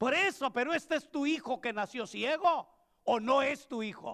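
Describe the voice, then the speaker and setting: A man speaks at a fairly slow pace. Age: 60s. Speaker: pastor. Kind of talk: sermon.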